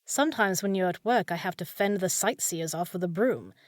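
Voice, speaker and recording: A woman's voice: lowish voice, a little fast, no echo, clean studio sound, lightly acted. A woman playing a short, fussy young village housekeeper in a fantasy audio roleplay, proper and easily flustered, scolding yet caring. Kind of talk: scripted fantasy audio roleplay, spoken to listener.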